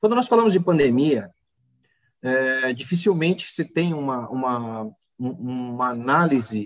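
The speaker is a man with a fairly slow pace. His intonation rises and falls in a lively way. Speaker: shopping center security manager. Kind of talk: live video panel discussion. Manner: halting, frequent repetitions.

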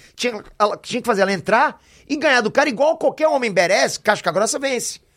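A man with an extremely high pitch talks very fast, his intonation lively. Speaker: YouTuber and entrepreneur. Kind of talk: casual chat.

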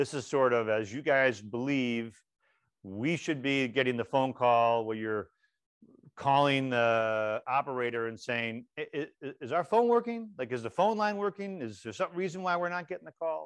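A man speaks at a moderate pace in a plain, everyday voice, medium in pitch, with lively intonation. The background is quiet. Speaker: podcast host, lawyer. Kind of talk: casual interview.

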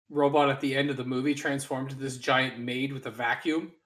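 This man speaks at a medium pitch with monotone, flat intonation. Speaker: podcast host. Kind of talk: casual chat.

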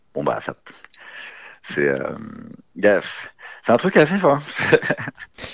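A man speaks at a very slow pace with long, frequent pauses. His loudness swings widely. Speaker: stand-up comedian. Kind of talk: casual chat.

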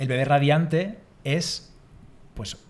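An animated man's voice at a fairly high pitch, with ordinary pitch variation and audible room echo. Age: 30s. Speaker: podcast co-host. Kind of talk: live podcast chat. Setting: stage with audience.

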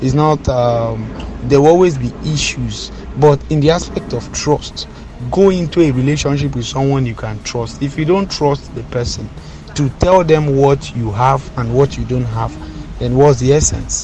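Noticeable background noise beneath fairly slow talking. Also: man. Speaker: caller. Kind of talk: casual chat. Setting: phone call.

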